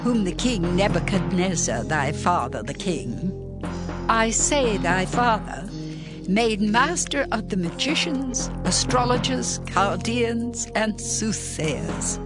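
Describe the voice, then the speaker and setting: An actress playing a stately, reassuring ancient queen in a dramatized scripture reading, with measured, formal delivery. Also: medium pitch, animated. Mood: solemn, reassuring. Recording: loud music behind the voice.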